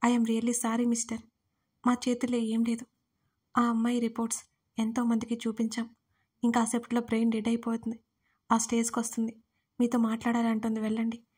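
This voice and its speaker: A hospital doctor gives bad news in a grave, apologetic manner, as a woman narrator voices him. The voice is high and even, with little melodic movement. It is a small storybook role in an audio drama. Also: fairly quick, pauses often, breathy edge. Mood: sombre. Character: sombre male hospital doctor, grave and regretful.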